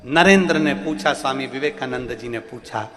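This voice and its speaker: A male preacher delivering a Hindu devotional sermon, fervent and rhythmic, moving between hushed phrases and loud declaiming. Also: mid-range voice, moderate pace. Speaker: religious storyteller preacher. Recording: long hall reverb with faint music.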